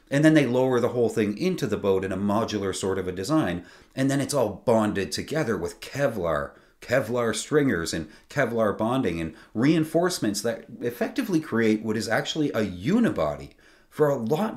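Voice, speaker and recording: Animated man hosting a sailing channel. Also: medium pitch. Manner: animated, emphatic, gestures with his hands. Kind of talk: scripted video commentary. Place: small home studio with lit shelves.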